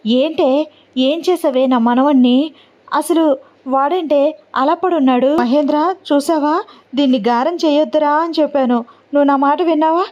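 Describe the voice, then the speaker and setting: A woman's voice: high voice, normal speed, darkish tone, lo-fi sound, pitched above the performer's own voice, natural voice. A woman voicing a harsh elderly grandmother who scolds and accuses. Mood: scolding.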